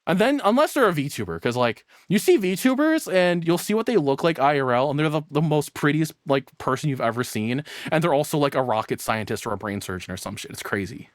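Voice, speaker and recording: A man's voice: fairly high pitch, lively intonation, brisk, few pauses, dry recording. American man streamer, close dry sound. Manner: rambling, self-interrupting, mildly profane. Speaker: streamer reacting to a video; voice actor. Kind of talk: casual livestream commentary.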